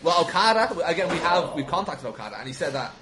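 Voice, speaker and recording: A man's voice: a little high, very animated, fast. A man chatting casually as a podcast guest, jokey and rambling, swearing freely. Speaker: podcast guest, wrestling show booker. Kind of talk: casual chat. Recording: clearly noisy background.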